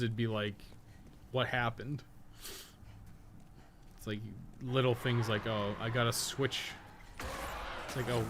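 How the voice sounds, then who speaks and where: A man giving casual, rambling live gameplay commentary, thinking aloud and swearing freely as he goes. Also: medium pitch. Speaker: game streamer and podcast co-host. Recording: clearly noisy stream audio.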